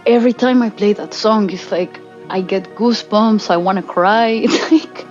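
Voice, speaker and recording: A woman's voice: mid-range voice, normal speed, highs cut off, faint music behind. A woman from Colombia, a musician and native Spanish speaker, chatting casually in an interview and laughing easily. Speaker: musician guest.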